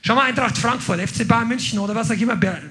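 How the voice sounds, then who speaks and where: A man preaching a sermon, energetic and exclaiming to his congregation. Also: extremely high pitch, fast talker. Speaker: pastor.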